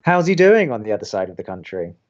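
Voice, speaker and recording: A man's voice: fairly low pitch, sing-song, quick pace, highs cut off. A man playing a dry, skeptical, awkward young college radio co-host in an audio drama. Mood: hesitant. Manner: dry, hesitant.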